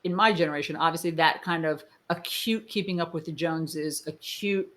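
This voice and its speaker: A mid-fifties woman hosts a podcast interview in an animated, emphatic way. She asks her guests questions and presses her points with strong stress. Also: deep voice, brisk. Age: 50s. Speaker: podcast host.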